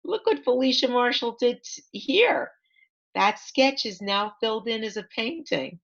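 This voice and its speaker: A woman author reading her picture book aloud to children in an expressive storytime manner, with asides to point things out. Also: fairly high pitch, a little slow, creaky, highs cut off. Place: online library event.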